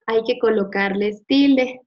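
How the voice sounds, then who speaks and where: A woman teacher giving a one-on-one review lesson, patiently quizzing and repeating words slowly. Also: fairly high pitch. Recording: slightly muffled lo-fi audio.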